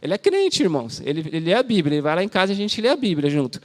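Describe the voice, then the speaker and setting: A man's voice: high-pitched, big pitch swings, very fast. A man preaching an informal sermon in a church hall, telling stories in a conversational, slangy way. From Brazil. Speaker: lay preacher. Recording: long church-hall reverb.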